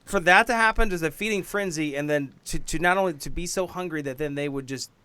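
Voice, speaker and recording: A man chatting casually at a tabletop game, halting and rephrasing as he goes. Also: a little high, sharp tone, clear, resonant tone, no echo. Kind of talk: casual chat.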